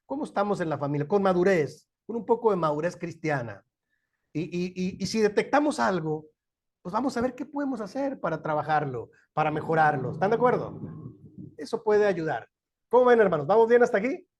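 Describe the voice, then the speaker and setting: A man's voice: sits high, lively intonation, brisk, a little mellow. A middle-aged man with a Mexican accent, a pastor teaching a church class on family life in a folksy, joking way, often asking the class questions. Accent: Mexican Spanish.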